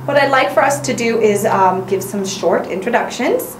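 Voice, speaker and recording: A woman's voice: a little high, moderate pace. Woman teacher in a roomy, echoing space. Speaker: English teacher. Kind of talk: instructional narration and classroom teaching. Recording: roomy echo, faint background noise.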